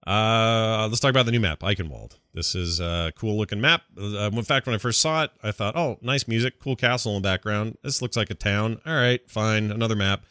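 Deep-voiced man, bright and excited. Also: brisk, few pauses, smooth, no room sound, studio quality. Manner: animated storytelling with slangy asides. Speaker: podcast co-host. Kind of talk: casual enthusiastic gaming chat.

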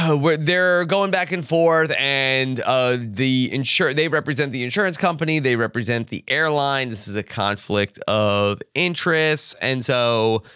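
A man's voice: mid-range voice, measured pace, pushed and bright, clean tone, dry recording, studio quality. A man co-hosting a podcast, recapping a TV episode in laid-back casual chat. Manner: laid-back, frequent short agreements. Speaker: podcast co-host.

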